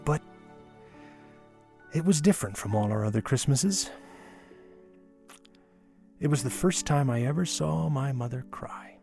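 A male storyteller with a mid-high voice gives a dramatic reading of a nostalgic memoir. He paces it deliberately, leaving pauses and leaning on key words. Faint music plays behind him. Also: lively intonation, creaky, a little mellow. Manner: measured, with deliberate pauses and emphasis.

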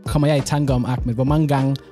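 A man's voice: mid-range voice, little pitch movement, mellow, faint music behind. A young man opening and co-hosting a casual podcast, joking and mimicking people in anecdotes. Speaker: podcast co-host. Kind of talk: casual chat.

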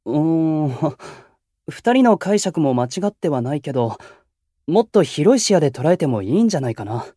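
An actor playing a calm, gentle young male idol who keeps the peace in a Japanese voice drama, speaking politely and with composure. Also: a little high, normal speed, slightly rough, no echo, clean studio sound. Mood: composed, reasoning. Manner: soft-spoken, composed, polite and reflective. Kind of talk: Japanese anime-style voice drama acting.

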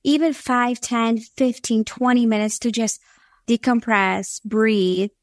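Woman, Minnesota accent, guest, earnest, encouraging, higher voice, dry sound. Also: fairly even intonation, slow, no echo. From Latvia. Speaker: podcast guest. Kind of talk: conversational interview.

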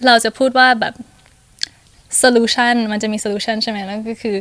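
ผู้หญิงเสียงค่อนข้างสูง พูดไทยสลับอังกฤษ. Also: female voice, fairly high pitch, fairly even intonation, a little slow, fairly bright tone, dry recording. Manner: switches between Thai and English, laughs often. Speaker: guest, beauty pageant contestant. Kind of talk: casual interview chat.

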